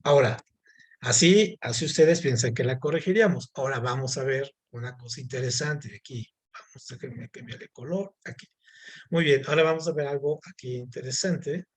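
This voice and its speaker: A man's voice: medium pitch, normal speed. A man teaching a class, asking students questions and explaining patiently with many fillers. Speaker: Spanish teacher. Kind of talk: online class lesson.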